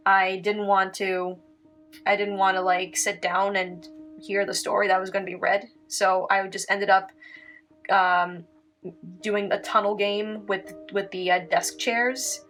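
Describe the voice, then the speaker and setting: A young Canadian woman whose native language is Italian chats casually through a painting tutorial, using lots of "like" and "um" and making giggly asides. Her voice is medium-pitched and fairly bright, with faint music in the background.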